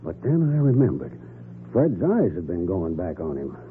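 An actor playing a gruff, folksy small-town police sheriff with a rustic drawl in a 1940s radio drama. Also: male voice, sits low, big pitch swings, moderate pace. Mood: plain, helpful. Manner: folksy, plain-spoken. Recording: muffled, noisy 1940s radio recording.

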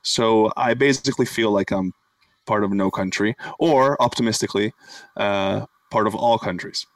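Podcast guest, man with American accent, low voice, relaxed, recorded at a distance. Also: normal speed, no echo. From Italy. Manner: relaxed, with many uh fillers. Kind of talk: casual interview chat. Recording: distant dry mic.

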